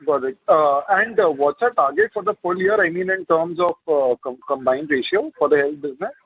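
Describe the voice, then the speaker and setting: A man calling in as an analyst, asking questions politely and hesitantly with a husky, rough-edged voice. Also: a little high, fairly quick, no room sound. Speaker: securities analyst, caller. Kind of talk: asking questions on an earnings call. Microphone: phone. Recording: muffled, narrow phone line.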